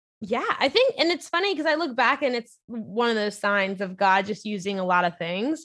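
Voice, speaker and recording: Fairly high-pitched and quick, a woman with an American accent has an ordinary speaking voice, lively intonation and hardly any pauses. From US South, near New Orleans, Louisiana. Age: 20s. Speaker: author. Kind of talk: casual chat.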